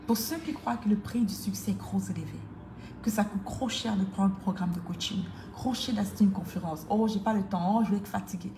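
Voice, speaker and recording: A woman's voice: medium pitch, a little fast. A woman coach giving a motivational talk to the viewer, emphatic and repetitive in a preaching cadence. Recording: echoey room with faint noise.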